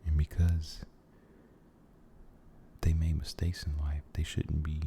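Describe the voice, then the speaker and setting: A man giving a soft-spoken, mostly whispered ASMR ramble, halting and gentle, repeating his phrases, close to the microphone. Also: very deep voice, completely flat delivery, vocal fry, slight background noise. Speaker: ASMR video creator.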